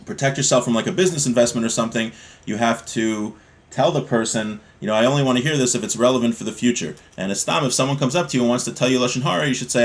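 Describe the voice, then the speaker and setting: A Torah teacher with a mid-range voice leads a text study class, reading Hebrew and then explaining it in English. He calmly explains Jewish law, repeating points for clarity.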